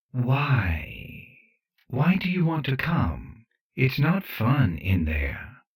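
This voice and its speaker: A man puts on a character voice, medium-pitched overall but with very wide pitch swings. He delivers it at a very slow pace. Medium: read story. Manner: terse, guarded.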